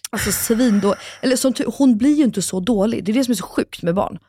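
This is a woman in her thirties with a fairly high voice, chatting on a podcast and acting out what people said as she tells her story. The recording is dry and close to the mic. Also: breathy edge, dry recording. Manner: animated storytelling, acts out quotes, swears casually. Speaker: podcast co-host. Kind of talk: casual chat.

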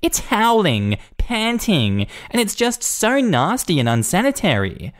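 A man's voice: high-pitched, huge pitch swings, a little slow, voice pushed up, full character voice. A man voicing a rude, entitled middle-aged woman who screeches and sneers at everyone. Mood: indignant.

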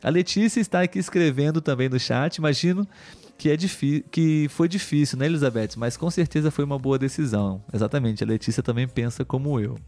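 A man hosts a live stream for Portuguese learners, reading out viewer comments patiently, like a teacher, with plenty of filler tags. His medium-pitched voice is a little fast and darkish, and faint music plays in the background.

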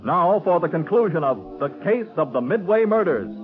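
High-pitched, dramatic 1940s radio announcer man. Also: lively intonation, normal speed. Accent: American. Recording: muffled vintage radio recording with music. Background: music.

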